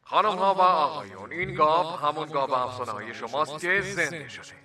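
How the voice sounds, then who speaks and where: A slick fairground showman who hypnotizes his crowd, as a man plays him in a cartoon dub. His voice sits a little high and swings from grand announcing to slow, droning hypnosis. Clear music plays behind him. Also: natural voice. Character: smooth-talking male fairground showman and hypnotist.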